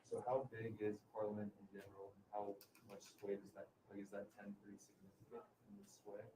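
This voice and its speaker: The sound is roomy and distant, with clear noise around it. A man with a fairly low, monotone voice puts an informal question from the audience. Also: a little fast. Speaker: audience member asking a question. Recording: echoey, distant mic, clear background noise.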